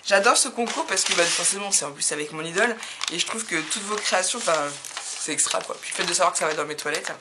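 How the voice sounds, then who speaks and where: Giggly chatty French woman, lower voice. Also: fast talker. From France. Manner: giggly, chatty, enthusiastic with frequent laughs. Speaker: craft video creator. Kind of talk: casual vlog unboxing fan mail. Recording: audible background noise.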